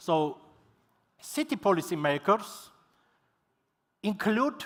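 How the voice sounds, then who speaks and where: A man speaks with a Georgian accent at a high pitch. His pitch swings very widely. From Georgia, Tbilisi. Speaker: NGO representative and event moderator. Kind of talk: conference opening speech. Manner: formal.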